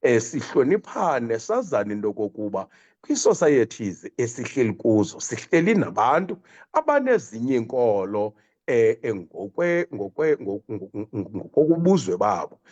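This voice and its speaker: A man with a Xhosa accent giving earnest commentary as a radio guest, halting often as he searches for words. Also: mid-range voice, sing-song, a little mellow. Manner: halting, with many repeated hesitations. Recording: dull, lo-fi line.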